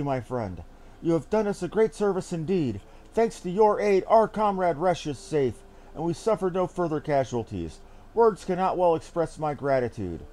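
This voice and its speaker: A man's voice: a little high, dark tone, lightly acted, poor audio. A man voicing a grateful, respectful comrade-in-arms from a fantasy game, in formal, stately diction. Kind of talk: reading fantasy game dialogue aloud in character.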